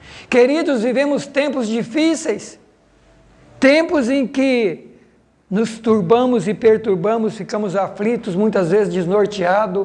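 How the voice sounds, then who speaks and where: A man with a high pitch and ordinary pitch variation talks fairly slowly, with audible room echo and noticeable background noise. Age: 60s. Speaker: pastor. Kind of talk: sermon.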